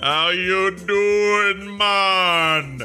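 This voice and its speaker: A put-on character voice sits at a middle pitch while clear music plays in the background. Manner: casual greeting.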